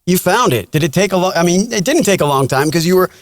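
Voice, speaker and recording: A man's voice: high voice, expressive, fast talker, no room sound, studio quality. A man hosting a podcast, interviewing in a casual, chatty way. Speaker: podcast host.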